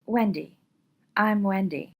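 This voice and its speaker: Woman playing slow-talking, flirty dance guest. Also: medium pitch. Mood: flirty, amused. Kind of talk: audio romantic comedy acting.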